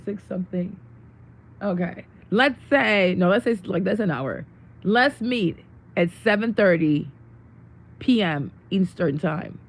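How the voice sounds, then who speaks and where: Hoarse woman chatting on a livestream. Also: mid-range voice, animated, takes it slowly. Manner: chatty, greets viewers, laughs often. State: losing her voice. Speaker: livestream host. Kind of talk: casual livestream chat. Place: home room.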